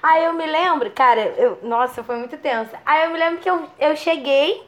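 A woman's voice: high-pitched, moderate pace. A woman co-hosting a podcast, chatty and teasing in casual conversation. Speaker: podcast co-host. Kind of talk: casual chat.

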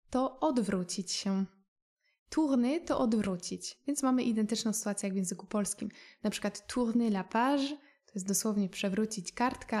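A woman French teacher explaining phrases in a recorded lesson, patient and clear, slowing down for her foreign examples. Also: medium pitch, warm tone.

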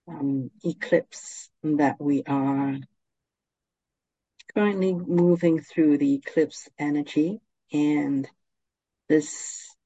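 A meditation guide with a soft, mellow voice and a very slow, gentle delivery, leaving long pauses. The sound is dry and slightly dull, as if recorded close in. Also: mid-range voice, no echo.

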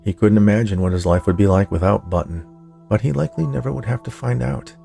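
Narrating fiction as a podcast storyteller, this man reads a scripted audiobook over faint background music. His voice is low, gravelly and mellow, and he moves at a fast pace.

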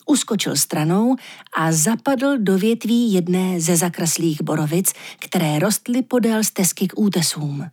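A woman narrating a fairy tale in a calm, measured audiobook reading. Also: lowish voice, breathy edge. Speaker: storyteller.

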